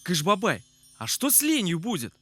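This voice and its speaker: An easygoing boy adventurer in a fairy-tale cartoon. His voice is fairly high and animated, brave and informal, over clear music. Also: normal speed. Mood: calming, persuasive. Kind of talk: children's cartoon acting. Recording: music behind the voice.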